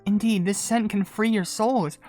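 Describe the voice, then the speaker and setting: A woman voicing a gentle, courteous young female incense maker in a game, polite and measured. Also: medium pitch, lightly acted. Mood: focused. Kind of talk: reading game dialogue aloud in character. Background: game music.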